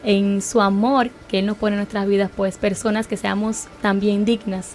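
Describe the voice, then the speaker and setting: Earnest woman, medium pitch. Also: little pitch movement, normal speed, darkish tone, slight background noise. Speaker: radio co-host. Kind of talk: devotional conversational commentary.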